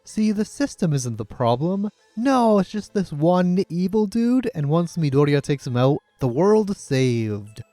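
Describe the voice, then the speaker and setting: Guy doing an opinionated video essay, mellow voice, sarcastic and casual, music under it. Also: on the high side, sing-song, unhurried, few pauses, dry recording. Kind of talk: scripted video essay narration. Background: background music.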